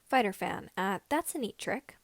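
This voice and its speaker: A woman narrating amateur fan fiction aloud, with slightly halting phrasing. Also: mid-range voice, expressive, vocal fry, dry recording. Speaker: podfic reader.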